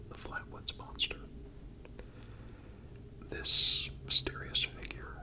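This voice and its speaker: A man whispering a scripted story as an ASMR host, in a measured, deliberate way with pauses. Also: low-quality recording.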